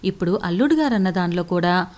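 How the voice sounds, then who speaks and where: A woman voicing a loving middle-aged mother who gently teases her husband. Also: fairly low pitch, lively intonation, quick pace, natural voice. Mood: teasing. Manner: gently teasing.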